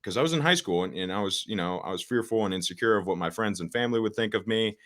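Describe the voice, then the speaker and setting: Deep-voiced young man, straight talker. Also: animated, quick pace, fairly bright tone. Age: late teens. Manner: straightforward, full of fillers and restarts. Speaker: social media coach, podcast guest. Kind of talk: casual podcast interview.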